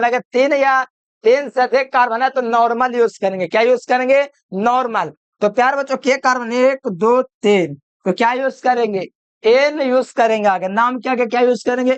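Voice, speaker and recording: A man's voice: very high voice, smooth, dry recording, muffled recording. A man giving a chemistry video lecture, repeating each point and quizzing the listener with call-and-answer questions. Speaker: chemistry teacher. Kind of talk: classroom-style video lecture.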